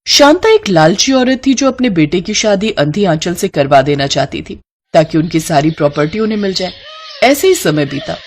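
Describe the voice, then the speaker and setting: A woman's voice: lowish voice, lively intonation, moderate pace. A woman giving scripted narration for a cartoon story.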